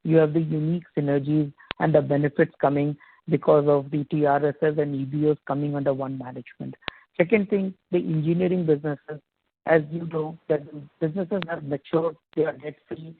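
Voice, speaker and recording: A man's voice: on the high side, fairly even intonation, fairly quick, gravelly, a little hiss or hum. A man with an Indian accent, a company executive giving formal, explanatory and emphatic answers on a business conference call. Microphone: phone conference call. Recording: tinny phone line, echoey room.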